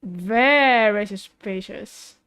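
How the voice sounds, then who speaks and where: A woman VTuber host gives casual, exclamatory reaction commentary with informal swearing. She speaks very slowly in a medium-pitched, fairly bright, clear and resonant voice, recorded close in a dry room.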